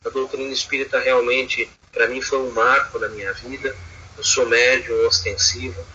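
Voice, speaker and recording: A man's voice: medium pitch, flat delivery, moderate pace, bright, forceful tone, dull audio, slight background noise. A man speaking earnestly as a guest in an online study group, hesitant with many fillers and restarts, over a video call.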